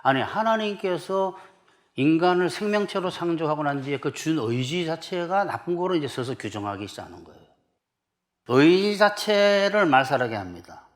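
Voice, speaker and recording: A man's voice: on the high side, expressive, moderate pace. A middle-aged man from South Korea preaching a sermon as pastor, emphatic and full of rhetorical questions to the congregation.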